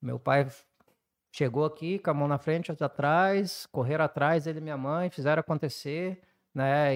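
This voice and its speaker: A normal speaking voice, with ordinary pitch variation and a moderate pace, comes through a dry, close sound with no echo on a very clean recording with a silent background. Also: man. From Brazil, Curitiba. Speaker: sushi chef and footvolley player. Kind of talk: casual chat.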